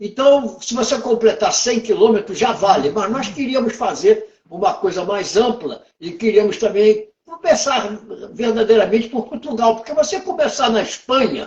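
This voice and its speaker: At an extremely high pitch, a man speaks at a moderate pace with lively intonation. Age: 80s+. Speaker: writer and long-distance walker. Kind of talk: live video chat interview. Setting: live video call.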